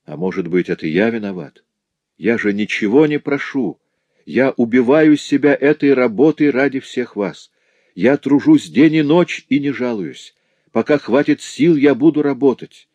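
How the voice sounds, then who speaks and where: A man's voice: lowish voice, normal speed, a little mellow, no room sound, dull audio, close to an everyday voice. A man reading a novel aloud, voicing a poor, overworked jeweler in a despairing, pleading tone.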